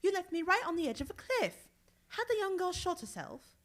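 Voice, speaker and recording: A woman playing an eager, excitable lady hanging on a story in a radio mystery play. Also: very high-pitched, brisk. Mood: eager, scolding. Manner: animated, eager. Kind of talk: radio mystery theatre acting.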